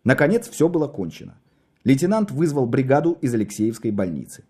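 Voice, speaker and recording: A man reading a story aloud, expressive and wry in his storytelling. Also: medium pitch, brisk, slightly rough. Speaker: narrator. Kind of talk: audiobook narration.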